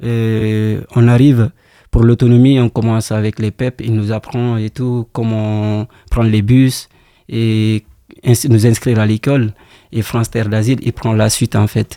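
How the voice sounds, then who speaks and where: A man speaks at a fairly slow pace in a monotone, flat intonation, his medium-pitched voice dark and mellow in tone. The recording is very clean, with a silent background. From Guinea. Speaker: student, former unaccompanied minor. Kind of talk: testimony.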